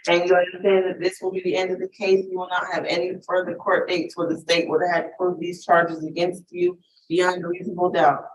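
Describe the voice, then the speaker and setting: A woman judge running a courtroom plea hearing, asking formal questions in a brisk, measured way. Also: on the low side, monotone, echoey room. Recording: distant mic with faint noise.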